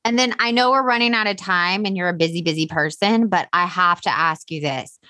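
Effusive woman host with a lowish voice. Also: a little fast, pushed and bright, no room sound. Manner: effusive and direct, pushing the guest with questions. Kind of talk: encouraging interview host.

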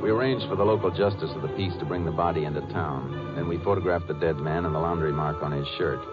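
An actor playing a calm, businesslike Texas Ranger in a 1950s radio western, terse and matter-of-fact, with an American accent. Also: male voice, low-pitched, quick pace, loud music behind the voice, lightly acted. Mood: measured narration. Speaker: lead actor and narrator. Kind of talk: 1950s radio western crime drama acting. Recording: muffled, noisy 1950s radio recording.

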